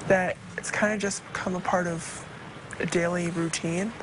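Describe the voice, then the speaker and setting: A twelve-year-old girl answering questions in short, hesitant replies, her voice altered and lowered to hide who she is. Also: steady tone, moderate pace, noisy background. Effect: voice altered and lowered to hide identity. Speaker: talk show guest. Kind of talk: studio interview.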